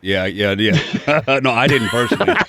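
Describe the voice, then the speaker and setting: A man's voice: fairly low pitch, normal speed, sharp tone. A middle-aged man co-hosting a podcast with casual, irreverent, chuckling banter. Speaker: podcast co-host.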